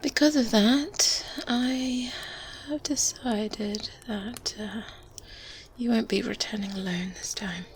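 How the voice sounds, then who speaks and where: A woman voicing an experienced, self-assured good witch in a breathy, softly spoken ASMR roleplay, pausing deliberately and gently condescending. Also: a little high. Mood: calm, self-assured. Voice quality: breathy, whispered. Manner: slow, deliberate, hesitant pauses with hums. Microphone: close binaural microphone. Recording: faint ambience noise behind close whispers. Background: medieval ambience sounds.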